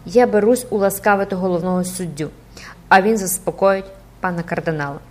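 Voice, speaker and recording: A woman voicing a poor, thin young man who speaks calmly and courteously. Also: fairly low pitch, fairly quick, natural voice. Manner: calm, courteous.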